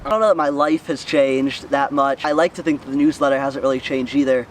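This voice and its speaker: A man's voice: mid-range voice, brisk, distant mic, slight background noise. A teenage young man with an American accent answers interview questions casually and earnestly, thinking aloud and repeating words as he goes. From United States, Missouri. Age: teenager, high school student. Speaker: student newsletter writer, interviewee.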